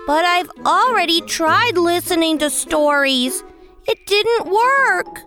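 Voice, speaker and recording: A fretful little boy prince who cannot sleep in a bedtime storybook. His voice sits very high and bright and leaps around as he drags each word out slowly. Faint music plays underneath. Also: animated, heavily acted. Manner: slow, singsong counting and plaintive sighs. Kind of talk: storybook character voice.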